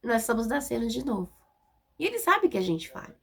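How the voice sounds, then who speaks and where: A Brazilian-accented woman delivers a sermon in a plain, direct, conversational way, often checking in with her listeners. Her voice sits a little high, with a gravelly edge and a husky, rough texture. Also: very animated, fairly quick. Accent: Brazilian Portuguese. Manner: direct, informal, frequent tag questions. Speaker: preacher.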